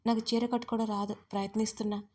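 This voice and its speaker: A woman's voice: a little high, little pitch movement, very fast, darkish tone, close to an everyday voice. A woman voicing a shy, anxious young bride who talks in a flustered way, in a romance audio story. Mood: nervous.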